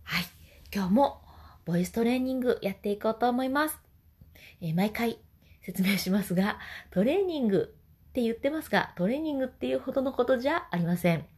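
A woman vocal trainer explaining voice exercises gently and singing short demonstrations. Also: a little high, expressive, brisk. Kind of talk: voice training lesson.

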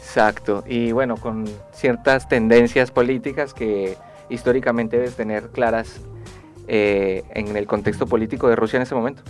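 A young man guesting on a radio chat show, speaking at an ordinary pitch with frequent hesitant restarts. Soft music plays faintly under his voice. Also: steady tone, moderate pace. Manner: hesitant, restarts phrases, polite. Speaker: sports journalist guest.

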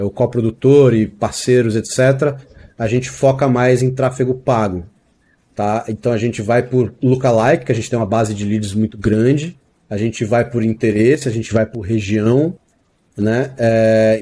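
A man in an interview talks at length about his courses and how he teaches acting, leaning on everyday examples and frequent checking tags. His voice sits at a mid pitch with a mellow, darker tone. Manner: chatty, explains with examples, many "né?" tags. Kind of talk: casual podcast interview.

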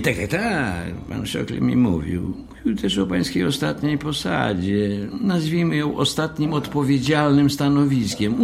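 An actor playing a pedantic, haughty hotel manager who speaks in a formal, fussy, long-winded way in an audio drama. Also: male voice, a little high, gravelly, slight background noise.

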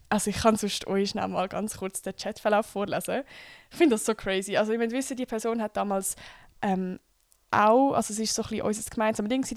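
A woman's voice: a little high, darkish tone, no echo, clean studio sound. A young woman from Switzerland with a Swiss accent, hosting a podcast in a chatty, casual way, full of fillers and English slang words. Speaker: podcast host.

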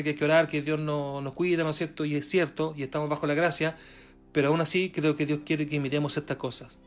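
Man, Chilean accent, sermon, halting delivery, fillers, faint background music. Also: fairly high pitch. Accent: Chilean Spanish. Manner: halting, many fillers and repeated words, rising for emphasis. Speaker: preacher. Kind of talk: sermon reading and retelling a testimony.

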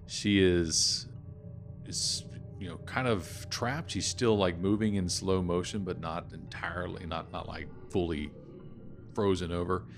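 Middle-aged male GM, very deep with some gravel, improvising a tabletop story over faint music. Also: fairly even intonation, a little slow. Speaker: narrator and game master. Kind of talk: improvised tabletop game narration.

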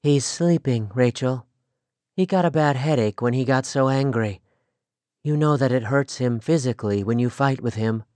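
A male audiobook narrator voicing a gentle Amish mother who speaks in a soft, consoling way. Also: medium pitch, moderate pace, no room sound, lightly acted. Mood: soothing.

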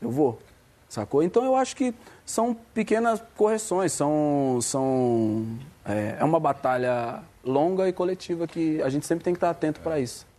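A Brazilian man in his thirties talks as a guest on a TV studio show. His voice sits a little high for a man. He spins slangy, joking stories. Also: normal speed, dark tone. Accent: Brazilian Portuguese. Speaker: guest rapper. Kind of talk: casual studio interview.

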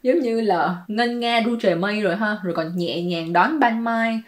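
A woman, talking at an ordinary mid pitch. She explains translations in a loose, chatty way, mixing in English terms as she goes. Her tone stays playful and conversational, like a vlogger talking to her regular viewers. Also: normal speed. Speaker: YouTuber translating song lyrics. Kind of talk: casual explanatory commentary.

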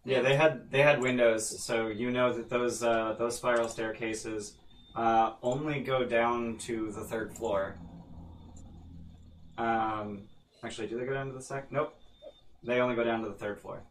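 A man's voice: mid-range voice, steady tone, a little slow. A man running a tabletop game as game master, describing scenes with many ums and restarts. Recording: echoey room, far from mic, faint noise.

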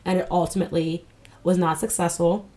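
A woman's voice: fairly low pitch, level tone, a little fast, mellow. A woman with a nasal voice co-hosting a podcast in candid, casual chat. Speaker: podcast co-host.

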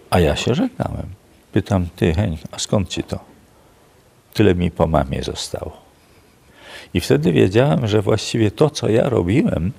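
An older man, a prison chaplain, telling stories in an unhurried, reflective way in a gravelly, husky voice. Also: low voice, a little mellow. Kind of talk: storytelling in a radio interview.

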